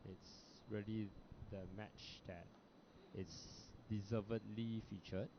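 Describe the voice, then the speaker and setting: A man from Singapore with a Singaporean English accent, giving relaxed, chatty live commentary on a bowls match, with frequent fillers. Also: on the low side, takes it slowly, creaky. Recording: lo-fi broadcast audio with background noise.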